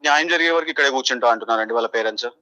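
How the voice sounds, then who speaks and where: A man speaks very rapidly in a bright, forceful voice as a news interviewee. The sound is dull, band-limited phone audio. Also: mid-range voice. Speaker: phone interviewee, supporter at a protest.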